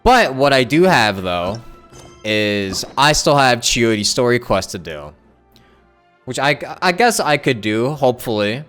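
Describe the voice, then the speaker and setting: A man's voice: medium pitch, big pitch swings, a little slow, a bit bright, smooth. A man chatting casually as a live streamer, rambling and thinking aloud as he corrects himself. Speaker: live streamer and content creator. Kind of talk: casual livestream chat with viewers. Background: background music.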